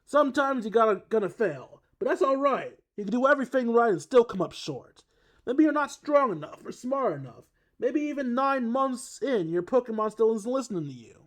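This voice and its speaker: A player voicing a gruff, pumped-up young surfer man giving a slangy pep talk in a game. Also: medium pitch, expressive, normal speed, voice pushed up, natural voice. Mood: fired-up. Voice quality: gruff, hyped, shouty. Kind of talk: voice acting a game character.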